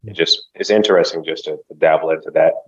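A man from the United States whose first language is Haitian Creole, speaking as a podcast guest in a measured, reflective way. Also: extremely low pitch, fairly even intonation, lo-fi sound. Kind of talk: casual interview chat.

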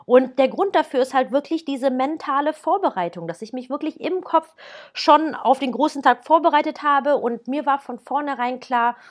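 A woman's voice: high voice, normal speed. A woman in her thirties, born in Germany, talking casually and directly to the listener as a wedding planner giving advice. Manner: chatty, lively, speaks directly to the listener.

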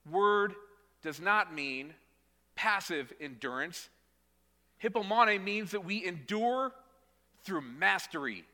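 A man preaches a sermon from the pulpit, his voice bright and somewhat high for a man. He stresses key words emphatically, restarts phrases and repeats himself, then sinks to quieter, weightier lines. The sound rings out with long reverb in the church sanctuary. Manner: emphatic, with dramatic drops to quiet. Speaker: pastor.

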